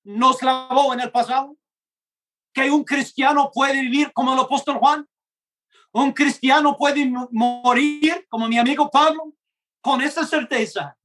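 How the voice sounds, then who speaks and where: A man preaching a gospel message in Spanish, which is not his first language, in a slow and earnest way, acting out short dialogues. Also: very high-pitched, a bit bright. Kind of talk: gospel sermon.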